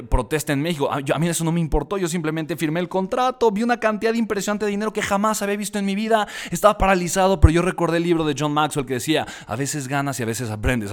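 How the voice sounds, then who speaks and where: Male entrepreneur, slightly high voice, animated storyteller. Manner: animated, repeats words for emphasis. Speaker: entrepreneur telling his story. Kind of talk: emotional personal storytelling.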